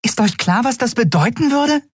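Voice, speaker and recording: Male narrator as a small winged female creature: very high, frantic, shrill, storybook style. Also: animated, normal speed, no room sound, studio quality. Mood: panicked. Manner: panicky, shrill outbursts.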